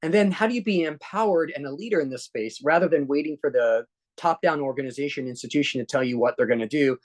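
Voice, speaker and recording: A man's voice: fairly high pitch, fast. Earnest man coaching a live group. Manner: earnest, repeats "right?" and restarts often. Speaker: executive coach. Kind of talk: workshop talk to a live group.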